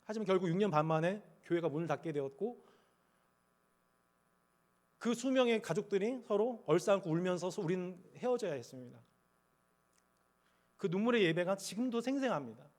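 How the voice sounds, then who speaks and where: A pastor preaching a passionate sermon from the pulpit, moving between loud cries and quiet, confessional talk. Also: male voice, sits high, expressive, fairly quick, pauses often. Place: church sanctuary at the pulpit.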